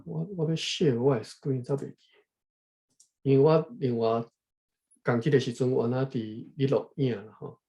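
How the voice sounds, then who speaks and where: A man from Taiwan reading a history book aloud unscripted, thinking aloud, pausing to look up words and adding frequent tag particles. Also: medium pitch, fairly even intonation, vocal fry, mellow. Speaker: reader explaining a history book to viewers. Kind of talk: unscripted read-aloud with running commentary.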